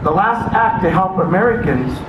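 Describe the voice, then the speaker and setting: A man's voice: high voice, expressive, moderate pace, distant mic. A man in his fifties from Vietnam, a native Vietnamese speaker, giving a public commemorative speech in English as an invited official. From Vietnam, later California. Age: 50s. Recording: windy, noisy, echoey outdoor event from afar.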